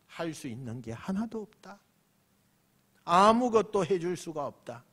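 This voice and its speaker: A pastor voicing a frail old father who is trembling and despairing, speaking in a hushed, shaken way. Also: high-pitched, very animated, measured pace, slightly rough, full character voice.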